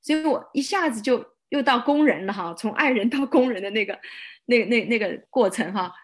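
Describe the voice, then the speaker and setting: Husky-voiced woman pastor telling a story. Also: a little high, moderate pace. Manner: lively storytelling, acting out her own prayers. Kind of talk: personal testimony.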